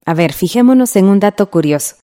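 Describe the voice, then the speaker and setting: A woman teaching a radio class, reading a scripted lesson in a slow, patient way and drawing out the example words. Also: mid-range voice, animated, mellow.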